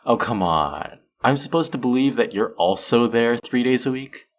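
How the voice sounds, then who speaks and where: A man's voice: mid-range voice, animated, normal speed, natural voice. A man playing a friendly, teasing, slightly bashful young traveler in a casual, intimate one-sided audio roleplay. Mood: friendly, playful.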